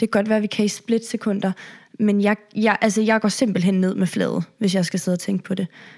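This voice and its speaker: A woman at medium pitch with an ordinary speaking voice, fairly even intonation, big swings in loudness and a fairly quick pace, in a dry, close sound with no echo. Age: 20s. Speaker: podcast co-host. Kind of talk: casual chat.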